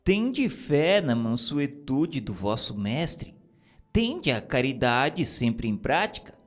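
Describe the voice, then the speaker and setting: This is a solemn spiritual reading from a script, voiced by a man with a medium-pitched voice. He takes his time, keeps his intonation lively, and speaks over background music.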